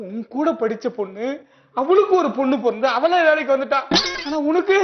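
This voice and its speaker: Brief: very high-voiced man with a Tamil Nadu accent, teasing comic sidekick, lo-fi TV sound with clear noise. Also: animated, fairly quick. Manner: teasing, blustering best friend. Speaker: comedy sketch actor. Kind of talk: scripted comedy sketch dialogue. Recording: dull TV audio with noise.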